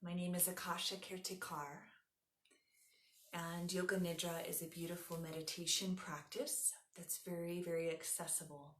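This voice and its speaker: A woman with a fairly low voice leads a guided relaxation as a yoga teacher. Her delivery is soothing and unhurried, giving gentle step-by-step instructions. The recording has a clearly roomy echo around her voice. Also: level tone. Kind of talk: guided meditation.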